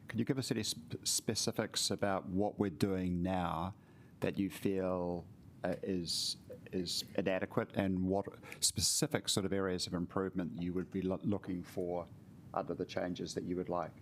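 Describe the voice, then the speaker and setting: A man's voice: deep voice, fairly even intonation, moderate pace, slight background noise. A man, a councillor in a formal meeting, blunt and pressing for specifics.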